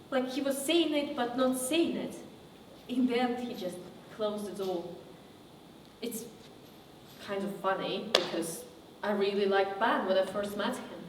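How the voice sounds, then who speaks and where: A woman acting as a haunted woman delivers a dramatic stage monologue in a fairly high voice. She speaks deliberately, with halting pauses. The sound is distant and reverberant. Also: natural voice. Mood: quiet, haunted. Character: woman recounting childhood memories, wry then wounded and haunted. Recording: echoey reverberant room, distant mic, faint noise.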